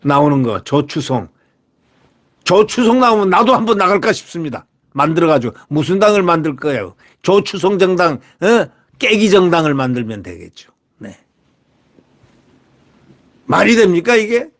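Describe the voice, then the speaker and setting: A man's voice: sits high, very animated, normal speed, pauses often. Emphatic man hosting political commentary. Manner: emphatic, rhetorical questions to viewers, repeats catchphrases.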